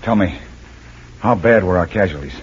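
An actor playing a commanding male jungle adventurer who leads a raid, giving brisk, clipped orders in 1940s radio style. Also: low-pitched, expressive. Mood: steady. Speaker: squad leader. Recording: dull, hissy old radio recording.

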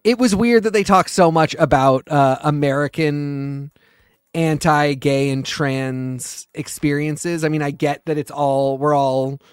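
A man's voice: a little high, unhurried, smooth, no echo, clean studio sound. A man co-hosting a podcast, chatting casually in a thoughtful, somewhat hesitant way. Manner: thoughtful, hesitant, with many fillers and restarts. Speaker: podcast co-host. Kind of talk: casual chat.

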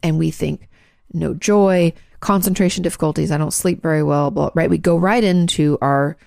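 Congested woman with a gravelly low voice. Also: moderate pace, darkish tone, dry recording, clean studio sound. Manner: frank, earnest, lots of fillers and restarts. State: congested, clearing her throat. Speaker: podcast host answering listener questions. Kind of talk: casual advice talk.

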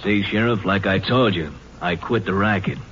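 Sardonic gambling-joint boss, muffled radio. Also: male voice, low voice, moderate pace, fairly bright tone. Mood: smug annoyance. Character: wary, sardonic illegal gambling house operator. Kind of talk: 1950s radio drama acting. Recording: dull, noisy 1950s radio recording.

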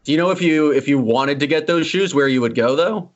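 Joking man hosting a sports podcast. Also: on the high side. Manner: joking, quick and teasing. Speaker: podcast host. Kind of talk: casual sports podcast chat. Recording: slightly dull lo-fi audio.

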